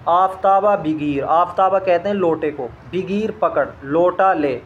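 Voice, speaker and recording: A man with a high voice works through a recorded lesson, reading a phrase and then repeating it. He talks slowly and explains each word in turn. A faint room hum runs underneath. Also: dull audio. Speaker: language teacher.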